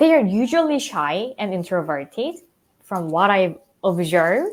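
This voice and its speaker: In a Korean accent, a woman speaks with very wide pitch swings. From South Korea. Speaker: English learning platform representative. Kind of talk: live-streamed interview. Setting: online live stream. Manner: hesitant, with fillers.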